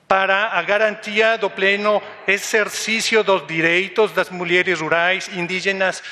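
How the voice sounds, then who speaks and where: Man, high voice, measured prepared speech, large reverberant hall. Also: sharp tone. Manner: measured reading with some restarts. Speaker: UN agency representative. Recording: distant mic in a reverberant hall.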